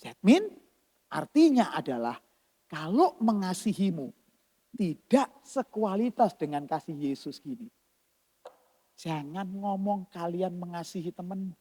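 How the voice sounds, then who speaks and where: A man preaching a sermon as pastor, swinging between loud emphasis and soft asides. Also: high-pitched, animated, a little slow, long pauses, husky. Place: church hall. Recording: long church-hall reverb.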